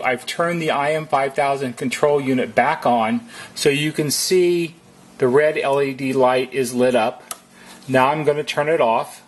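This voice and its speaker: Male technician for how-to narration: unhurried, methodical, deliberate, with a somewhat husky voice. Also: medium pitch. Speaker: repair technician giving instructions.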